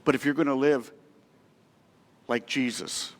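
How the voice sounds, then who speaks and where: A middle-aged pastor preaches with feeling, mixing personal stories and pointed questions in a conversational way. His voice sits at an ordinary pitch for a man. The sound rings with the long reverb of a church hall. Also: steady tone, a little slow. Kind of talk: sermon. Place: church sanctuary.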